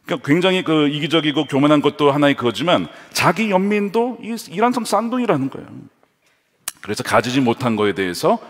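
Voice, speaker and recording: A man's voice: on the high side, fairly quick, long reverb tail. A male pastor preaching a sermon, shifting between a plain teaching voice and dramatized quotes. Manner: lively, voices the tempter and quotes in dramatic tones. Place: church sanctuary.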